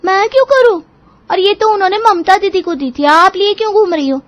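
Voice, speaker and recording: Woman voicing a shrill defiant young bride. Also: a little fast. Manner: argumentative, defiant. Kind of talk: storybook character voice.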